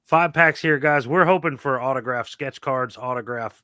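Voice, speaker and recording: A man's voice: medium pitch, normal speed, bright, forceful tone, no echo, clean studio sound. A man in his forties hosting a live stream, chatting nostalgically while opening card packs. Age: 40s. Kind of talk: casual live-stream chat.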